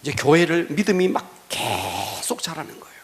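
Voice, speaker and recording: A middle-aged man preaches in a church, telling a story with dramatic contrasts. He drops to near-whispers and then rises again, his fairly high voice swooping across a wide, animated range. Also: normal speed. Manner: swings between hushed whispers and raised, emphatic lines. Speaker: pastor. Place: church sanctuary.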